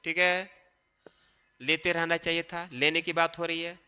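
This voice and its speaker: A man's voice: fairly high pitch, little pitch movement, a little slow, sharp tone, clear, resonant tone, big-room sound. A man teaching English grammar step by step, drawing out the English words and often checking in with the viewer. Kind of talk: grammar lesson.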